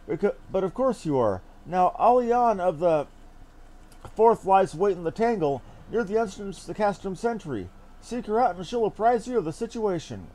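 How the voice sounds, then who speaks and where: A man's voice: high-pitched, dark tone. A man voicing an earnest, refined young male commander from a fantasy game, with formal and eloquent phrasing.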